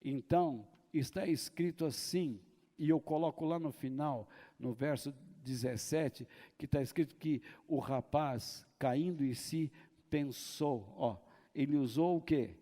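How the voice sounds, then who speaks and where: A man preaching a sermon in a church hall, slow and deliberate, with a fairly high voice. His words ring out with a long reverb around them. He drags each phrase out and bursts into loud acted-out cries at times. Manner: slow, deliberate preaching with sudden shouted dramatizations. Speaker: pastor.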